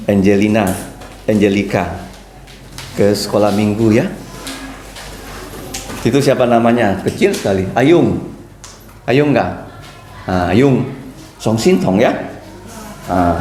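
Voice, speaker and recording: Guy teaching a kids bible class, voice jumps all over, lots of questions, echoey church room. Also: on the high side. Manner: lively, asks the children questions and answers them himself. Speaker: Sunday school teacher. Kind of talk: Bible lesson for children.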